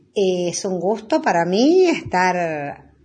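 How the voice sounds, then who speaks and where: With a fairly low pitch and a somewhat breathy quality, a woman talks with lively intonation. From La Rioja, Argentina. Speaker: singer-songwriter. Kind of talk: recorded message introducing a song.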